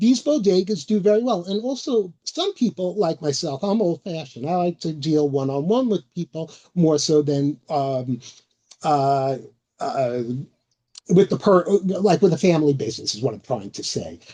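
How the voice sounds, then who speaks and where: Speaking with a New York accent, a man has a dark, mellow tone, high pitch and lively intonation at a moderate pace. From New York, Long Island. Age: 50s. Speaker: online video host. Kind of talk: casual monologue. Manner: halting, many fillers and restarts.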